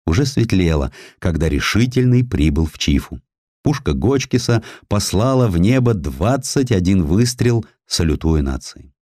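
A man narrating a historical audiobook with dramatic, deliberate, theatrical phrasing. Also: deep voice, big pitch swings, darkish tone, dry recording, clean studio sound.

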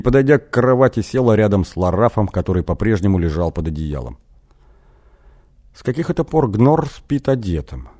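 Deep-voiced man narrating a fantasy audiobook. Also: mellow.

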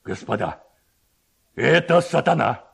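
A man's voice: medium pitch, expressive, takes it slowly, gravelly, fairly bright tone, slightly rough, exaggerated voice. Man playing a blustering old village headman. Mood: frantic commanding. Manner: commanding, alarmed, blustering.

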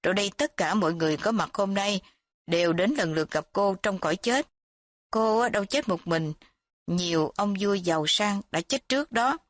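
A woman doing a calm old sage. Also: mid-range voice, normal speed, no room sound, clean studio sound, natural voice. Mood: solemn. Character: calm old male sage consoling a prisoner.

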